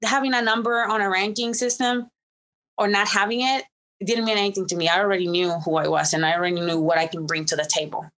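A woman's voice: mid-range voice, steady tone, fast, a bit bright. Woman, wrestler guest, candid and emphatic, casual interview. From Mexico. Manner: candid, emphatic, self-assured.

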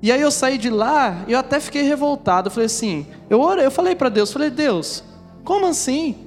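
A man's voice: very high voice, fast. A man preaching a sermon in a church, telling a personal story, acting out the scenes and speaking directly to the congregation. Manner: animated, acts out scenes and voices. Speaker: pastor. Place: church hall. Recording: long hall reverb with music behind.

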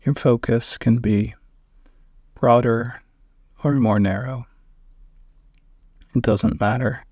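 A man guiding a meditation in a calm, measured manner, speaking in short, sparse phrases with long pauses, close to the microphone. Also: medium pitch, slightly rough, no room sound. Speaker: meditation guide. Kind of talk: guided meditation.

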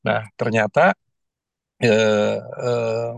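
A man's voice: lowish voice, little pitch movement, extremely slow, gravelly, no echo. A man, speaking as a guest on a panel, hesitant and full of restarts. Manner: hesitant, many fillers and restarts. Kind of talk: casual panel discussion.

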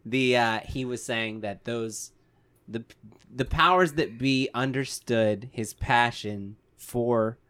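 Mid-pitched guy on a podcast, laid back, lots of ums, passing on stuff he heard. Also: slow pace, fairly bright tone, smooth. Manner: relaying notes, easygoing, many fillers. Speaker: podcast co-host. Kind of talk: casual chat.

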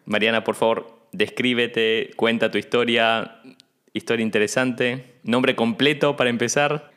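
A man's voice: medium pitch, level tone, unhurried, fairly bright tone, clear, resonant tone. A man with a Rioplatense Spanish accent hosting a podcast in a casual chat, asking easygoing questions. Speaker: podcast host.

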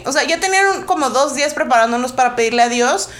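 A woman co-hosting a casual podcast chat in a high voice. She rambles emphatically through her thoughts, with plenty of fillers along the way. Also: animated, fast, fairly bright tone. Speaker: podcast co-host.

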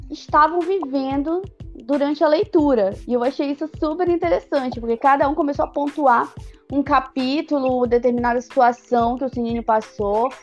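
A woman, chatting casually as a guest author in an interview, explaining things in an animated way. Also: sits high. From Pará, northern Brazil.

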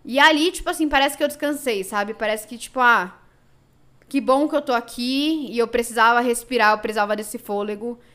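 A woman's voice: fairly high pitch, a little fast, fairly bright tone. A Brazilian woman, a podcast guest, tells a personal story in casual, emotional chat full of fillers. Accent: Brazilian Portuguese.

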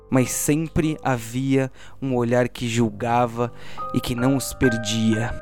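A man with a Brazilian accent, working as game master and narrating a tabletop RPG audio drama in a theatrical, storytelling way. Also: mid-range voice. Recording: music behind the voice. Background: soundtrack music.

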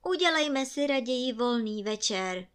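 A woman's voice: fairly high pitch, lively intonation, smooth, pitched above the performer's own voice, natural voice. A woman doing an eager clever young boy. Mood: pleading. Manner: earnest and pleading.

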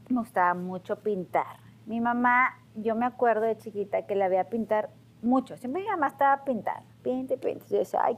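A Mexican woman in her forties, casually telling her own story to camera and acting out quotes in a raised voice. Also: medium pitch. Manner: lively, acts out quotes in a raised voice.

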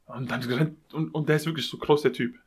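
A man's voice: on the high side, fairly even intonation, fast talker, slightly rough. A man telling stories casually in street slang, as a podcast guest. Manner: German street slang, peppered with Digga and Bruder.

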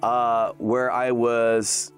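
A man's voice: medium pitch, little pitch movement, extremely slow, smooth, soft background music. A man, a Canadian-raised voice actor, chatting casually in an interview with lots of restarts and fillers. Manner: rambling, many restarts and fillers. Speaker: voice actor guest.

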